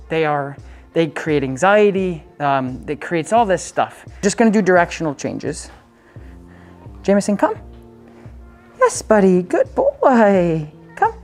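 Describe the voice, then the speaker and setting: A woman working as a dog trainer, coaching owners in a casual, chatty way and breaking off to give the dog short, upbeat commands. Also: deep voice.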